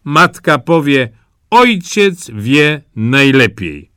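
A man's voice: a little high, very animated, drawn-out words, bright, forceful tone, clear, resonant tone, dry recording, studio quality, voice pushed up, full character voice. A man voicing a simple, good-natured old farmer who speaks earnestly, in a storybook reading.

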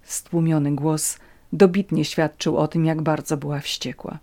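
A woman reading a novel aloud in a measured, even storytelling manner. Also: sits low. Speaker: audiobook narrator. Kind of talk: scripted narration of a novel.

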